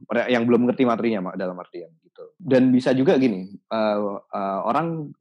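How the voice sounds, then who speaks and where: A man in a casual podcast chat, explaining his advice thoughtfully with many pauses and restarts. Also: mid-range voice, dull audio. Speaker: podcast guest.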